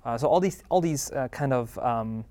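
A man co-hosting a casual Bible study discussion, explaining in a measured way with many fillers. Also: mid-range voice, expressive, darkish tone. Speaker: co-host.

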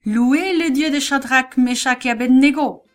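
A woman voicing a furious, proud male king who roars his orders loudly in a storybook reading. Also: on the high side, expressive, measured pace. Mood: exultant. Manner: loud and commanding.

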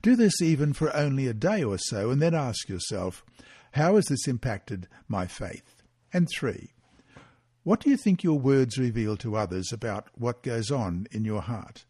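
A man reads a weekly Bible study lesson aloud in a measured, expressive way. His voice is mellow and slightly husky, with lively rises and falls in pitch, recorded dry and close. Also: dry recording.

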